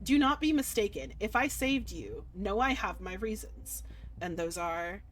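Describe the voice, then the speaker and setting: A woman's voice: medium pitch, animated, measured pace, natural voice. A woman voicing a cold, impatient male god from a visual novel, curt and dismissive. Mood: stern. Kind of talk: reading visual novel dialogue aloud.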